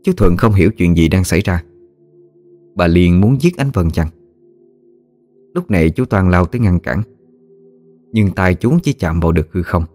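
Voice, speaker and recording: Deep-voiced man narrating a ghost story. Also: lively intonation, moderate pace, long pauses, darkish tone, soft background music.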